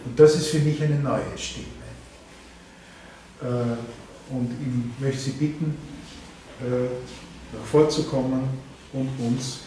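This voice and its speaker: A man's voice: mid-range voice, fairly even intonation, slow, long pauses, dark tone. Male moderator, hesitant, far from the mic, faint background noise. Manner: hesitant, with ums. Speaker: event moderator. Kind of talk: introducing a reader. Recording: echoey room from far off.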